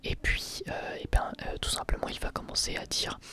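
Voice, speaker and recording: A man giving a whispered ASMR review, talking in a relaxed, rambling way with hesitant restarts. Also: normal speed. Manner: soft unvoiced whisper throughout.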